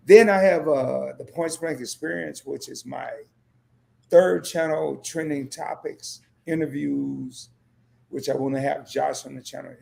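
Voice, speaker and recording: Hoarse guy on a livestream, super gravelly fry, gets all fired up and repeats stuff. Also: medium pitch, darkish tone. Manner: rousing and emphatic, repeats himself when worked up. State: hoarse, losing his voice. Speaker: fellow credit YouTuber and co-host. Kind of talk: casual livestream chat.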